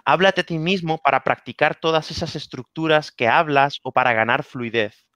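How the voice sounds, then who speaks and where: Giving language-learning tips in a casual online interview, this man from Spain speaks with a Spanish accent, lively and emphatic, repeating himself and saying "¿vale?" often. His voice runs on the high side at normal speed, with no room sound.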